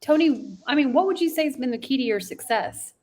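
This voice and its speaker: A woman's voice: high-pitched, lively intonation, fairly quick, a little mellow. A woman hosting a business interview show, encouraging and enthusiastic with her guest. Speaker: podcast host, interviewer.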